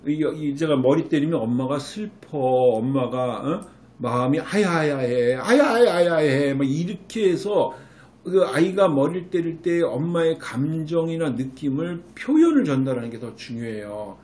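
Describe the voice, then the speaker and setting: A middle-aged man, a clinic director, lectures parents on raising children, animated, acting out what a mother might say. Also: on the high side, normal speed. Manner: animated, acts out a mother's voice when quoting. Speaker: Korean medicine clinic director giving parenting advice.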